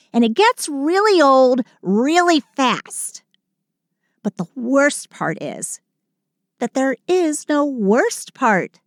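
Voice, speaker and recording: In a scripted audio roleplay monologue, a woman plays a sweet but sulky female Christmas elf with a high, exaggerated voice. Speaking very slowly and close to the mic in a dry recording with no echo, she vents dramatically and sardonically, complaining with theatrical sarcasm yet staying affectionate toward her partner.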